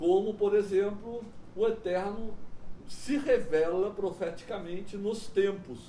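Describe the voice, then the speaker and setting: With noticeable background noise and audible room echo, a man talks at a very slow pace in a high pitch with ordinary pitch variation. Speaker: pastor. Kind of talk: sermon.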